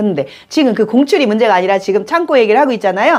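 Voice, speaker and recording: A woman talks fairly quickly, her pitch rising and falling very widely. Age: 60s. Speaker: real estate consultant. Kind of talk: sales pitch with personal anecdote. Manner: conversational, storytelling.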